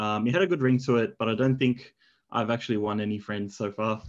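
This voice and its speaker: The speech comes at a fairly quick pace with an Australian accent. Pitch varies in an ordinary way over a quiet background. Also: man. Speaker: conference speaker. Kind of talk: conference talk. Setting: live stream. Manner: hesitant, many ums.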